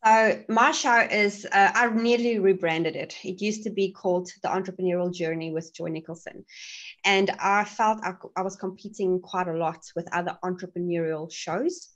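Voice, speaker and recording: A woman's voice: lowish voice, moderate pace, dull audio. A woman, presenting her podcast over a video call in a friendly, eager way. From South Africa. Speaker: podcast guest. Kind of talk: casual presentation.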